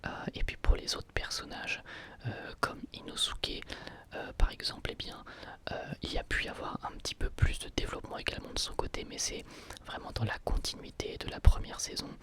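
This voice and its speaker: A person giving a casual ASMR review in a soft, breathy, unvoiced whisper, hesitating and repeating words. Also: a little fast.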